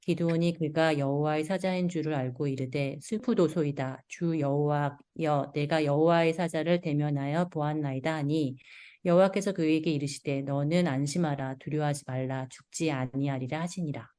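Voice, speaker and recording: A woman reading scripture aloud in a slow, measured way over a video call. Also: sits low, steady tone, dark tone.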